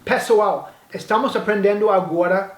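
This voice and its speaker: A man whose first language is English, teaching an English lesson in Portuguese and saying the model phrases slowly and carefully. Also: high voice, roomy sound.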